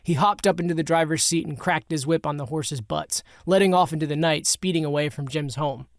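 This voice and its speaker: A man reading his own comic audiobook in an even, matter-of-fact way. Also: a little high, brisk, no room sound, clean studio sound. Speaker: author and audiobook narrator. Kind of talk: scripted audiobook narration.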